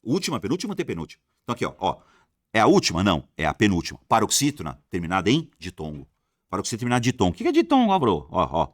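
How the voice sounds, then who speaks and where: A man's voice: on the low side, dry recording, studio quality. A man teaching an exam-prep grammar lesson, repeating rules emphatically and answering imagined student questions.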